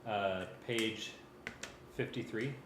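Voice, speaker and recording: A man's voice: on the low side, slow, background noise. A man talking casually as he directs a music rehearsal, thinking aloud in a hesitant, working way. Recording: roomy sound with music playing.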